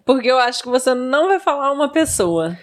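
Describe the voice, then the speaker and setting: A woman's voice: sits high, big pitch swings, fairly quick. Brazilian woman co-hosting a casual chat. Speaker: podcast co-host.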